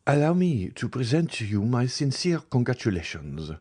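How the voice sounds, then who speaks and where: A man voicing a polite, formal society lady who speaks with courtesy and quiet authority, in a reading of a classic novel. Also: medium pitch, sing-song, normal speed, slightly rough, voice pushed up. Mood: gracious.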